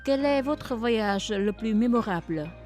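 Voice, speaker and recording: A woman reporter narrating a news feature and asking interview questions in a clear, measured way. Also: a little high, lively intonation, darkish tone. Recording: voice-over with music beneath.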